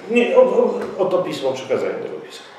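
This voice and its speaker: A man's voice: fairly high pitch, wildly swooping pitch, fast talker, darkish tone, a little hiss or hum. Man, middle-aged, press conference, formal and insistent, hesitant fillers, very echoey office, far camera mic. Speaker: local party representative. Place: office room, indoors.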